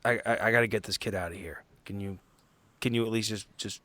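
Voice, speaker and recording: A man playing a tabletop roleplaying game, talking casually and a little haltingly, slipping in and out of character. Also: fairly low pitch, fairly even intonation, a bit bright, no room sound. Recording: music behind. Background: background music.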